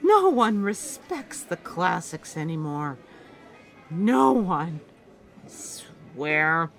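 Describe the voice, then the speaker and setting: A wry classics teacher with a low voice that rises and falls widely. She talks very slowly and drawls at a stranger. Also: big pitch swings, creaky, a bit bright, faint music behind, heavily acted.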